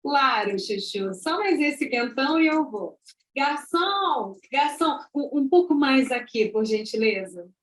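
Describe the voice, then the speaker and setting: A woman's voice: high voice, lively intonation, takes it slowly, poor audio. A woman acting a flirtatious, forward party-goer in an audio drama. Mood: coaxing.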